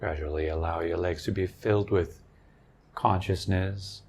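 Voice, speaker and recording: A man leading a guided meditation as a teacher, speaking in a gentle, soothing, unhurried way with long pauses. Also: sits low, fairly even intonation, a little hiss or hum.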